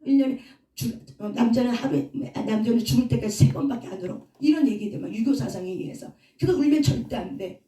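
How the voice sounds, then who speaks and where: A woman who is a pastor and counselor gives a sermon, asking the audience questions and answering them herself. Her warm voice sits on the high side and comes from far off mic in an echoey hall.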